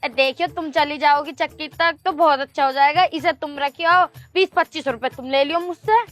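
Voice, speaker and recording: A very high, bright voice from a woman acting as a lazy, complaining village sister-in-law, speaking. She whines her way through a broad comedy skit while soft music plays underneath. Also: fairly even intonation, fairly quick. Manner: whining, complaining.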